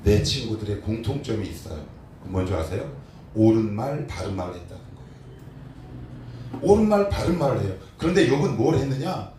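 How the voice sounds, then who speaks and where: Male pastor preaching in a big echoey church, lively up and down voice, mic kinda far off. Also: lowish voice, fairly quick. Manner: rhetorical questions to the congregation, voice swinging loud and soft. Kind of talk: sermon. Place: church sanctuary. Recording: very echoey hall, distant mic, faint noise.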